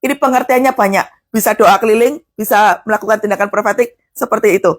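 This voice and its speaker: A woman's voice: mid-range voice, fairly even intonation, fast talker. A woman preaching a sermon, exhorting her listeners fervently in a colloquial way.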